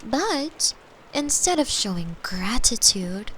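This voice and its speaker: A woman plays a caring girlfriend reading a bedtime tale in a fairly high voice. The delivery is extremely slow and gentle, playful in spirit, with clear background ambience noise behind it. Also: big pitch swings, full character voice, low-quality recording. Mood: gentle, soothing. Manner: gentle, unhurried, playful asides to the listener. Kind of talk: soft bedtime storytelling, sleep-aid roleplay.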